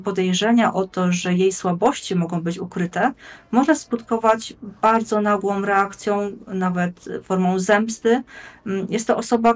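Measured woman guest, mid-pitched voice. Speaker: guest, blogger and game master. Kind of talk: conversational explanatory presentation. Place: plain room indoors, on video call.

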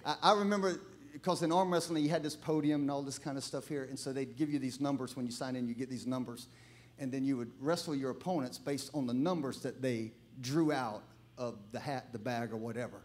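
A middle-aged male pastor, preaching a sermon full of humorous, animated stories and bursts of shouting. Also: mid-range voice, a little fast. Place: church.

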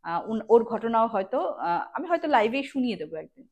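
High-pitched woman storyteller. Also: lively intonation, fast talker. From Assam, India. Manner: conversational, explains asides and addresses listeners directly. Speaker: host and storyteller of a ghost story show. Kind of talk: casual spoken ghost storytelling.

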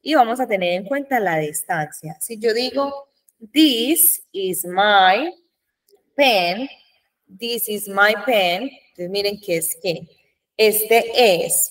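A woman's voice: mid-range voice, lively intonation, a bit bright, distant mic, poor audio. A woman with a Colombian Spanish accent, teaching an English grammar lesson to a class and checking in with the students often. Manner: slow, drawn-out model sentences, frequent "¿Listo?" checks.

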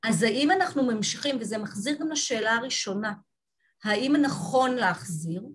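A woman giving an online lecture from slides on a video call, talking thoughtfully with frequent restarts and pauses. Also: fairly high pitch, expressive. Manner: thoughtful, halting, many restarts.

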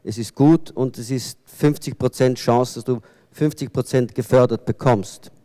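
A man in his fifties from Belgium speaking in a measured way as a panelist, into a handheld microphone in a hall. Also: medium pitch, fairly even intonation, mellow. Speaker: panelist, theatre artist. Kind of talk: measured panel discussion remarks. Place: stage in a hall before an audience. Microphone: handheld microphone close to mouth. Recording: long hall reverb from stage PA.

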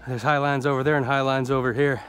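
Faint music sits behind this male travel vlogger as he treks outdoors in a rainforest, filming on a handheld camera and casually joking to himself. His voice is mid-range and a bit bright, with little pitch movement and a quick pace.

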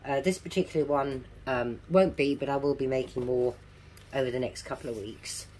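A woman's voice: rumbling low, moderate pace, mellow, a little hiss or hum, poor audio. A middle-aged woman with toothless, slightly slurred articulation, giving a casual step-by-step craft demonstration and repeating key steps as she instructs. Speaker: craft tutorial presenter. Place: indoors at a home craft table.

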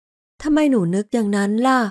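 A woman voicing a kind young woman who speaks softly and slowly to calm a frightened child. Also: a little high, natural voice. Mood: soothing. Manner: soft, gentle, reassuring.

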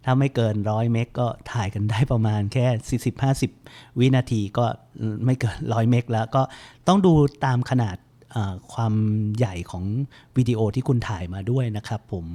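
A man hosting a computer help show, giving a relaxed, chatty step-by-step screen-reader tutorial with lots of fillers. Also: mid-range voice.

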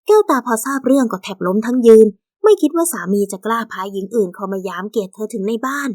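A woman narrating a bedtime story in a smooth, steady storytelling manner. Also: on the high side, quick pace, no echo.

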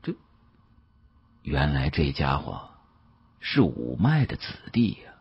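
Male audiobook narrator, low and very husky, colloquial delivery, dull recording. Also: slow pace, no room sound. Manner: colloquial, expressive storyteller. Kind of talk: dramatised first-person storytelling.

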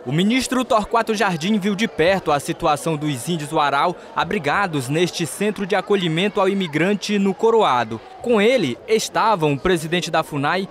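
A man reporting for TV news in a steady, scripted voice-over. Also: high voice, normal speed, few pauses.

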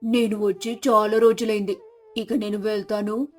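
A shrewd older village mother-in-law, as a woman narrator puts her on, measured and reassuring, pitched down from the storytelling voice. She, with faint music behind. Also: little pitch movement, lightly acted. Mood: firm. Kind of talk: moral storybook character voice.

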